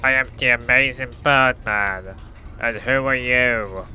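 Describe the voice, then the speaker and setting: An actor playing a blunt, sarcastic and exasperated flying hero in an audio drama. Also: male voice, mid-range voice, slow, background noise, close to an everyday voice. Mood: blunt, questioning. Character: exasperated sweary flying hero, stranger from Earth. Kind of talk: scripted audio drama acting.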